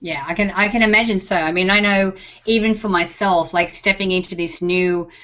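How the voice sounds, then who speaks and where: Woman host, interview chat, fillers, middle pitch, dull lo-fi audio. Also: fairly even intonation, brisk. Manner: warm-up chatter with many fillers like um and you know. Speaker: show host. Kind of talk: conversational interview. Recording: dull lo-fi recording.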